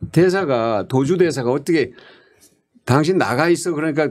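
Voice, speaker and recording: Lively intonation in a man's voice pitched fairly high. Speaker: politician. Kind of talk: interview. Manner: animated.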